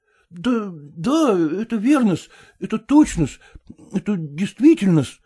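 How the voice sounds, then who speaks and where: A man's voice: high-pitched, very animated, slow pace, warm tone, slightly rough, pitched above the performer's own voice, heavily acted. A man voicing a timid, lovesick office clerk who mumbles servile apologies and weeps. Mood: mumbling.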